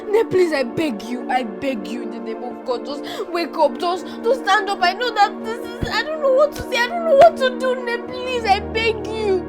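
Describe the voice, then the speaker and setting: A woman's voice: extremely high pitch, animated, normal speed, few pauses. Woman playing a sobbing young girl. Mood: sobbing, pleading. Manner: repeats pleas, sobbing. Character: grieving orphaned young girl, clingy. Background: music score.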